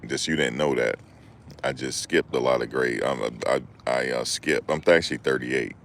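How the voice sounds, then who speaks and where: A man's voice: a bass voice, fairly even intonation, moderate pace, fairly bright tone. A man hosting a livestream, chatting loosely with his viewers, joking and rambling as he goes. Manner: joking, rambling, talks back to chat. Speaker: livestream host. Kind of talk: casual chat with live viewers.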